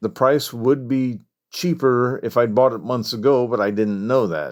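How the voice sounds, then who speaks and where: A normal speaking voice with ordinary pitch variation moves at a moderate pace. The background is quiet. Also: man, medium pitch for a man. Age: 60s. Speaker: farmer. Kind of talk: interview.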